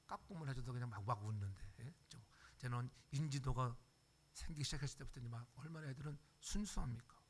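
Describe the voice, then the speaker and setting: A man's voice: medium pitch, fast talker, a little hiss or hum. An older man preaching a sermon as pastor, acting out everyday voices and checking in with the congregation. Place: church sanctuary.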